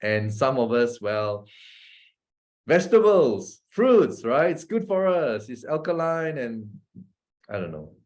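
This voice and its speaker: Man, Malaysian English accent, presenter, casual chatty talk, keeps asking the listeners "right?", mid-pitched voice. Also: big pitch swings, slow pace, a little mellow. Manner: chatty, asks "right?" often, laughs between points.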